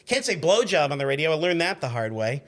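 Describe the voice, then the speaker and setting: Male radio-show guest, 50s, higher voice, animated and sweary casual storyteller who stumbles over his phrasing. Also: fast. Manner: animated, profane, stumbling as he tells stories.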